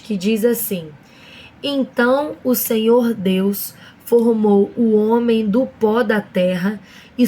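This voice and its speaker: A hoarse woman hosting a casual devotional talk, addressing viewers directly with frequent fillers and reading Bible verses slowly and deliberately. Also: a little high, mellow. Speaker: online devotional host.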